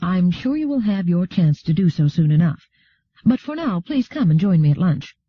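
Here is a man playing a haughty, curious lady of noble birth in an audiobook. The speech is prim and precise, lifted high in pitch. The recording is somewhat dull and lo-fi. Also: big pitch swings, normal speed, slightly rough, dry recording, heavily acted. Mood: polite, composed. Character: haughty, curious aristocratic woman from another world. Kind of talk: audiobook character dialogue.

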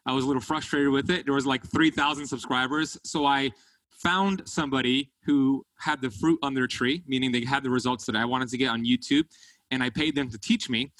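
A man hosting a podcast interview in an effusive, excited manner. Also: medium pitch, a little fast, dry recording, poor audio. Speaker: podcast host.

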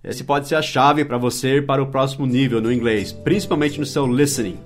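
A man's voice: medium pitch, a little fast, faint music behind. A man raised in Brazil with English as his first language, hosting a casual mini-podcast lesson. He explains patiently and drops short English example phrases into his explanations. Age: adult, past his teens. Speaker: English teacher, podcast host.

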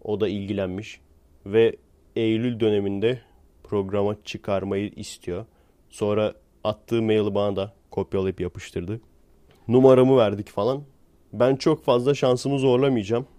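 Young male YouTuber, sarcastic slangy rant, mellow voice. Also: fairly low pitch, fairly even intonation, unhurried. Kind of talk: casual ranting monologue.

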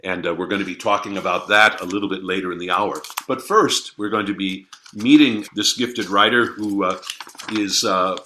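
Bright-toned male radio host. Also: deep voice, steady tone, a little hiss or hum. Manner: measured, formal, many "uh" pauses. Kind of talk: radio interview. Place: radio studio.

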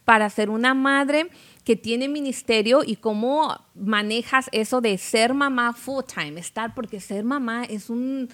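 A woman's voice: a little high, unhurried. Female podcast host, supportive interviewer, Spanish with English phrases mixed in. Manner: warm, affirming, mixes English phrases into Spanish.

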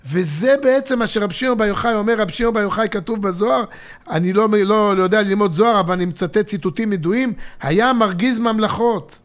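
A middle-aged man co-hosting a podcast as a father, teaching religious texts in an expressive way that swings from emphatic to hushed and intimate. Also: sits high.

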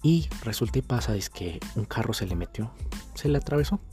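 A man's voice: medium pitch, lively intonation, brisk, dark tone, faint music behind. A young man with a Colombian accent telling dating stories in a gossipy, slangy way, repeating phrases for effect. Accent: Colombian Spanish. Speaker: dating coach. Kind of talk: casual storytelling to camera.

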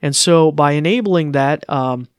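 A man's voice: on the high side, a little slow, clear, resonant tone, no room sound, studio quality. A man giving a casual live tech demo, informal and hesitant, easily amused. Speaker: tech demonstrator.

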